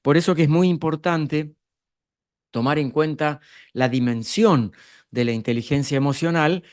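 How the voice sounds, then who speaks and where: A man's voice: on the high side, normal speed, a little mellow. A man from Argentina with an Argentine accent, giving a live talk on emotional intelligence and leadership, explaining ideas to the audience and often asking rhetorical questions. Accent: Argentine Spanish.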